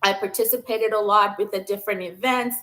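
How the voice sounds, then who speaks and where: A woman's voice: mid-range voice, steady tone, fairly quick, fairly bright tone. A woman from Zambia, a nurse scientist, telling her career story in an earnest, enthusiastic conversational way. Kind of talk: conversational interview.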